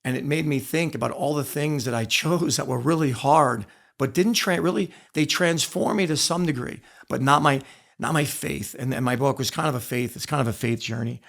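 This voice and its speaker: Earnest middle-aged American man, gravelly edge. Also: mid-range voice, a bit bright. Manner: earnest, emphatic, repeats phrases for weight. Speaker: podcast guest, author and former wrestler. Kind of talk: reflective personal storytelling in an interview.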